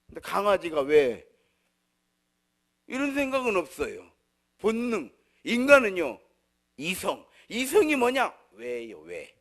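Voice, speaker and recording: A man preaching a sermon as pastor, moving between raised declarations and soft, low asides. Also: huge pitch swings, a little slow.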